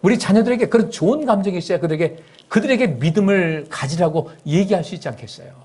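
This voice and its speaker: A middle-aged man preaching a sermon as pastor. He swings between soft, low asides and sudden high, raised outbursts, and acts out parents' words in a gentle coaxing tone. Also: expressive, fast, husky.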